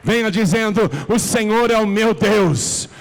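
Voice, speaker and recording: A Brazilian man preaching as a pastor, moving between soft pleading and loud, fervent calls to come forward. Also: sits high, measured pace. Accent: Brazilian Portuguese. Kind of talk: preaching a sermon with an altar call. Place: large church hall. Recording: reverberant church hall.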